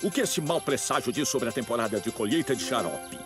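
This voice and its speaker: A man's voice: mid-range voice, animated, a little fast, over music, close to an everyday voice. A man voicing a pompous, sensation-hungry TV news anchor in a dubbed cartoon, with theatrical announcer delivery. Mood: dramatic. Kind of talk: animated cartoon dub.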